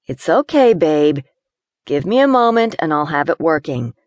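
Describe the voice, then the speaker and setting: Narrator lady doing a chill teasing guy, low-ish and slow, dry sound. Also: no room sound. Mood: calm teasing. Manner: calm, teasing, drawled. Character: easygoing teasing Nevada man, young adult.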